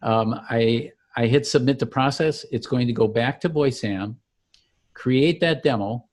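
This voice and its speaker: A man founder demonstrating his software tool step by step in an easygoing, explanatory way. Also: medium pitch. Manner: relaxed, explanatory, slows to show steps. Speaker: software founder giving a demo. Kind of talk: walkthrough of an online tool.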